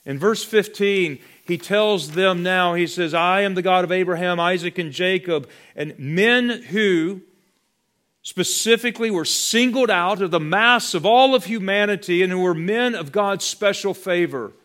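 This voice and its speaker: A man preaching a sermon, slow and deliberate, letting his voice drop to a hush on key words. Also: high voice. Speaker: pastor.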